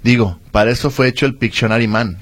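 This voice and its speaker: A Mexican man co-hosting a radio show in a playful, teasing way. His voice sits at an ordinary middle pitch. He reads listener messages and jokes with the other hosts. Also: fast. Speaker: radio co-host. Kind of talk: casual radio banter.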